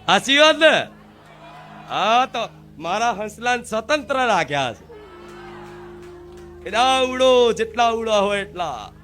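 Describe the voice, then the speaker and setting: A woman guru delivering a devotional sermon, emphatic and full of rhetorical questions, at times rising to shouts. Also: on the high side, very animated, slow pace, pauses often, faint music behind.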